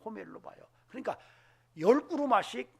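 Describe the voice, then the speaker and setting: A man preaching a Sunday sermon, animated, acting out voices and dropping to whispers. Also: very high voice, moderate pace, creaky, husky. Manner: animated, acts out voices in quotes, drops to whispers. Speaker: pastor. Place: church sanctuary.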